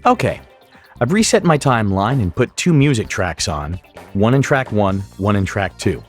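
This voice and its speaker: A man with a fairly low voice narrates a software lesson in a methodical, instructional manner. His pitch moves up and down in a lively way as he explains each step. It is a measured screen-recording voice-over. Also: soft background music.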